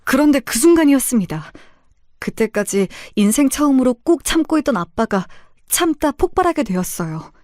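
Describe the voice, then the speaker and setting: A woman narrating a true-life family story in the first person at a steady pace. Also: high voice, moderate pace, dry recording, clean studio sound.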